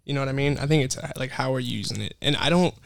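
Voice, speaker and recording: A man's voice: medium pitch, very fast, vocal fry. A man in his twenties with an American accent chatting casually as an interview guest, with slangy, profane, informal speech. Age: 20s. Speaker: guest, music artist.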